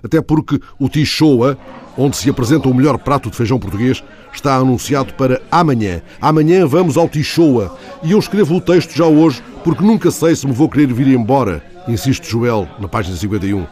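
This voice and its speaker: Guy doing calm literary doc narration, mid-pitch voice, reads quotes from a book. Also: fairly quick, soft background music. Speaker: documentary narrator.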